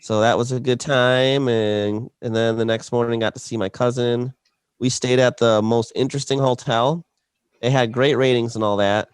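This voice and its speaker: A man's voice: mid-range voice, steady tone, moderate pace, clear, resonant tone, dry recording. A man co-hosting a podcast, telling a long, rambling story in casual chat, full of fillers and restarts. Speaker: podcast co-host.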